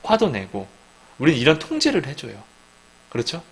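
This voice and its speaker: A man's voice: medium pitch, sing-song, normal speed, a bit bright, poor audio. A man giving an informal sermon, often asking the listeners questions and acting out quoted speech. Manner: asks the listeners questions and acts out quoted dialogue. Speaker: Christian speaker giving a devotional talk.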